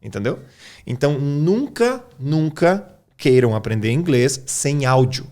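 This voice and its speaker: A man from Brazil who teaches English explains his method on a podcast in an informal way, often making sure the listener follows with "tá?" and "cara." He speaks unhurriedly in a fairly high, slightly mellow voice with big pitch swings.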